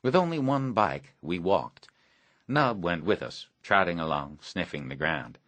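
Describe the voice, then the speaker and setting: A man reading a novel aloud in a measured, plain first-person storytelling voice. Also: sits low, very animated, a bit bright, no echo. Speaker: audiobook narrator. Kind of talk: scripted first-person narration.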